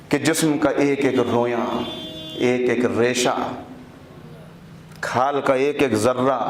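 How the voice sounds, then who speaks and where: A man preaching a sermon at a lectern mic in a prayer hall, firing off rhetorical questions and swinging between high, loud emphasis and a low hush. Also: a little hiss or hum. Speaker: religious speaker. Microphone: microphone on the lectern. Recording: roomy hall with faint ambience.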